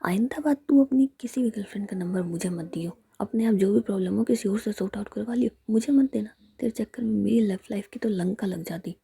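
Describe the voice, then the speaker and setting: A woman whispering the part of a carefree young woman student who coaxes her upset girlfriend, in a husky voice. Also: mid-range voice, fast talker, hardly any pauses, warm tone, no room sound. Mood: pleading. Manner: coaxing, whispered.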